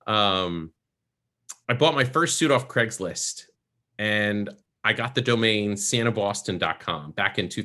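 A man telling stories about his work as a professional Santa in a podcast interview, chatty and animated. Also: medium pitch. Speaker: guest, professional Santa performer.

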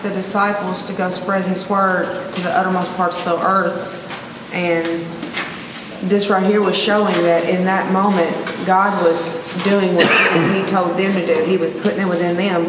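A woman's voice: fairly low pitch, flat delivery, normal speed. Lady chiming in from across the room, roomy reverb, lo-fi muffled sound. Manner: chiming in with answers, casual. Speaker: class member. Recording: distant voice in echoey hall, noisy dull audio.

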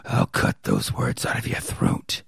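A man's voice: a little slow, no room sound, studio quality, natural voice. A man voicing a menacing, boastful vampire baron in a theatrical, threatening growl, as in a dramatic villain reading. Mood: furious, threatening. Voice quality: gravelly, raspy growl. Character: menacing, boastful vampire baron, proud old-world swordsman.

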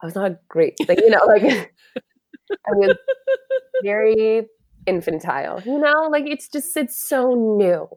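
A woman's voice: medium pitch, animated, takes it slowly, pauses often, a little mellow, no room sound, studio quality. A woman who is a guest yoga teacher, speaking candidly and bluntly in a casual conversation. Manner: candid, blunt, lots of fillers.

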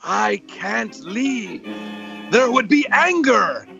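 A man's voice: very high-pitched, animated, extremely slow, gravelly, full character voice. A man playing a world-weary, fatalistic old uncle in a horror story reading, over dull lo-fi sound. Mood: brooding. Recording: dull lo-fi sound with music behind.

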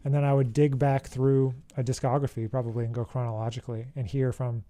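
Laid-back thirties male jazz trombonist, warm dark low-key voice, rambling casual Q&A delivery from home. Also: little pitch movement, fast talker, a little hiss or hum. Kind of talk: casual livestream Q&A. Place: home room.

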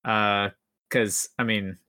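A man's voice: fairly low pitch, flat delivery, slow, pushed and bright, smooth, no room sound, clean studio sound. A man on a podcast panel chatting casually, thinking aloud and repeating his phrases as he works out a point. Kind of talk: casual chat.

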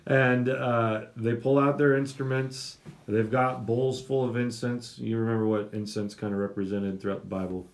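A young man hosts a casual Bible study podcast, explaining a passage in a chatty way full of fillers and restarts. His voice is mid-range, with fairly even intonation and normal speed.

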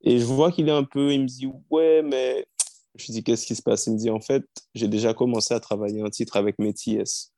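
A man in his thirties, a singer-songwriter, telling how his songs came together in a relaxed interview. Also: medium pitch, a little fast, a little hiss or hum. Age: 30s. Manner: storytelling, easygoing, frequent fillers.

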